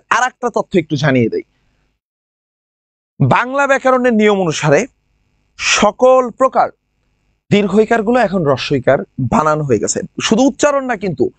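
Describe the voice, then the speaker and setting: A young man from Bangladesh teaching a live online grammar class, repeating each question and answer and drawing out example words slowly, calling on students by name. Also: high-pitched, no room sound. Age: young adult.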